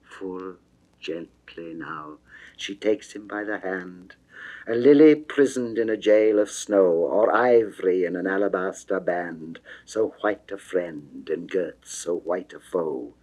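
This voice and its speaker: Slow, low-voiced man reciting verse. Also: poor audio. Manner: dramatic, measured, swinging between hushed and declamatory. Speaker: narrator of a dramatic poem. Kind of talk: classical theatrical verse recitation, 1960s recording.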